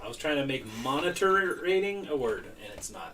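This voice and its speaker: Over noticeable background noise, a man speaks fairly slowly with a high pitch and lively intonation. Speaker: online clothing reseller, channel co-host. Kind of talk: casual live stream chat. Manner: loud. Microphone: far from the shared microphone.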